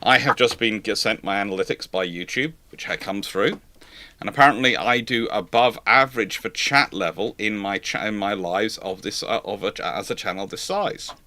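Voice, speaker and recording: A man's voice: fairly low pitch, moderate pace, pushed and bright, no echo. A man hosting a live question-and-answer stream, chatting casually and thinking aloud in a rambling, conversational way. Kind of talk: casual live panel chat.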